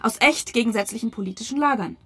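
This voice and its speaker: An actress playing an idealistic young student and camp leader in a German audio drama, earnest and conciliatory. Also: female voice, on the high side, fast talker, slight background noise, close to an everyday voice. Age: young adult.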